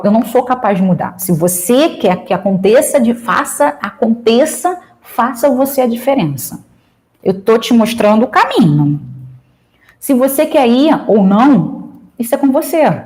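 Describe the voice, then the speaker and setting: A woman gives casual advice to a group in a fairly high voice. She talks with emphatic energy and gets loud when excited. She works jokes and anecdotes into her points. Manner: tells anecdotes, jokes along the way. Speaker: social project leader speaking to a group.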